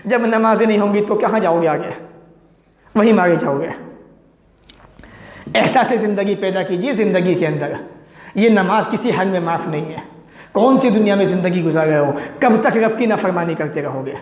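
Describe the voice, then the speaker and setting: A man's voice: sits high, normal speed, long pauses. A man preaching a fiery sermon, urgent and rhetorical, firing off questions and lists of sins. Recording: echoey hall reverb.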